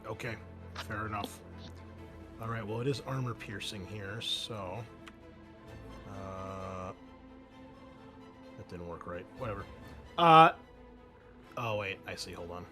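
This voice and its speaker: A man running a tabletop horror game, narrating scenes in a halting, descriptive way as game master. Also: lowish voice, pushed and bright, faint music behind.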